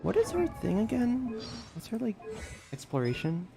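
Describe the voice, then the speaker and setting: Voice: medium pitch, wildly swooping pitch, normal speed, gravelly. A game streamer giving casual, off-the-cuff live commentary while playing. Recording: game music behind.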